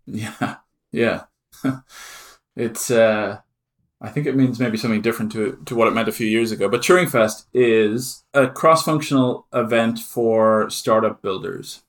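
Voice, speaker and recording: A man's voice: on the low side, measured pace. A middle-aged man with an Irish accent, talking in a chatty, informal way as an interview guest. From Ireland. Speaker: conference organiser, interview guest. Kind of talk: casual interview talk.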